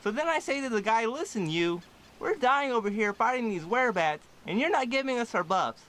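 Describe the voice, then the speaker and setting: A man voicing a whiny, excitable, melodramatic nerdy gamer in a comedy game cartoon. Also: extremely high pitch, fairly quick, rough recording. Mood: indignant. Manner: melodramatic, speaks in internet slang. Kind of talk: animated comedy machinima acting.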